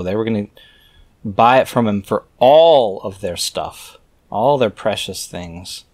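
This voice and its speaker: A man's voice: mid-range voice, dry recording. A man reading scripture aloud and breaking off for offhand, wry, skeptical comments, sometimes muttering as he thinks aloud. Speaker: reader and commentator.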